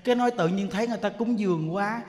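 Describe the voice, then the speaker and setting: A man with a high-pitched voice gives a storytelling sermon. He acts out the dialogue in his stories and laughs as he goes. His voice rings on in a hall with a long reverb. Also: rapid-fire, darkish tone. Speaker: monk.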